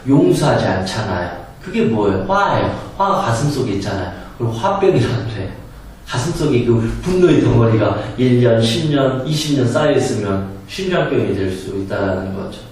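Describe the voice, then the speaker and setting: A man gives an animated self-help lecture, his pitch rising and falling as he drives each point home and briefly mimics angry outbursts. He sounds set back from the mic in a strongly reverberant room. A faint hiss sits under his voice. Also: moderate pace. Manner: lively, emphatic, acts out angry quotes, laughs often. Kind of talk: spoken lecture. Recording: very echoey room from a distance, faint noise.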